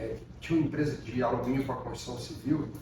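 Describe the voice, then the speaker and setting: A man speaks with a Fortaleza accent. There is audible room echo and noticeable background noise. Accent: Fortaleza (Ceará). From Ceará, Brazil (Fortaleza). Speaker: business coach and speaker. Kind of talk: interview. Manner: hesitant, with repetitions.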